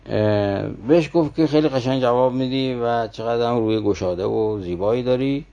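A man's voice: mid-range voice, creaky, warm tone, highs cut off. A man teaching a classical verse story, explaining its meaning and turning often to his listeners with rhetorical questions. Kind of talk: didactic talk explaining verse.

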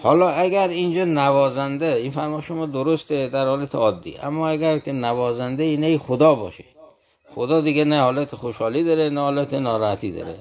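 Man slowly explaining verse. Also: medium pitch, darkish tone. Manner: measured, often slow, reciting verse lines; polite formal address. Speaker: guest explaining classical poetry. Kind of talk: unhurried explanatory conversation.

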